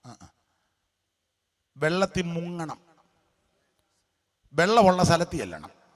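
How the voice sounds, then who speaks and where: A male pastor preaching a lively, colloquial sermon, speaking straight to his listeners and repeating each verse after the reader. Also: on the high side, slow. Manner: animated, talks directly to listeners.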